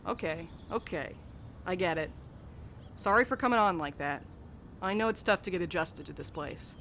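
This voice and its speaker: A woman's voice: on the low side, moderate pace, fairly bright tone, a little hiss or hum. A woman playing a blunt, bantering mail carrier who is bad with feelings, in an audio drama. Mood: casual, friendly. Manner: blunt, casual, teasing. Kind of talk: naturalistic audio drama dialogue.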